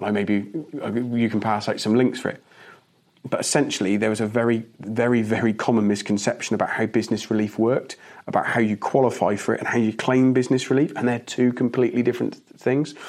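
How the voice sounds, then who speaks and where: With a British accent, a man talks very fast at a medium pitch, his intonation fairly even. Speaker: company CEO. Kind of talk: business interview. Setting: video recording.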